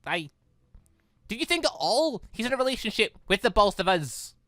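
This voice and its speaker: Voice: mid-range voice, very animated, moderate pace, a bit bright, dry recording, studio quality. A let's play host voicing an angry, protective young woman in a visual novel, confrontational and indignant. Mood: indignant scolding.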